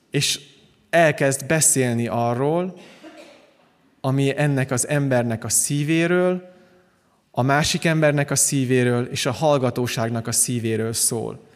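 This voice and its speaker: A man delivering a sermon as pastor, calm and earnest, often restarting his phrases. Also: mid-range voice, big-room sound.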